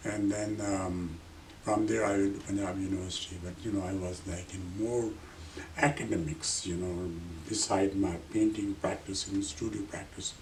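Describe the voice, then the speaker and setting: Amid noticeable background noise and audible room echo, a man speaks at a fairly low pitch and a moderate pace with fairly even intonation. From Pakistan, Sindh province. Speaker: painter and art teacher. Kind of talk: interview. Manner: hesitant, many fillers.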